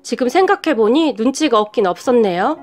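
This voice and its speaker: A woman with a high voice narrates a first-person story, confiding and aggrieved. Faint music plays underneath the steady reading. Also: a little fast.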